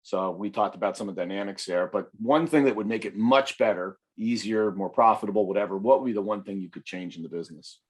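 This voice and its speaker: A man hosting a business podcast, asking questions in a friendly, easygoing way and answering with quick affirmations. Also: lowish voice, breathy edge. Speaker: podcast host. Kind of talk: casual interview hosting.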